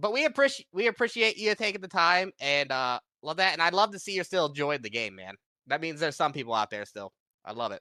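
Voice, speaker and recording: A man's bright, sharp tone with an American accent, fairly high-pitched with very wide pitch swings, at a very fast pace, dry and close with no echo. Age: 30s. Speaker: podcast host. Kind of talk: casual chat.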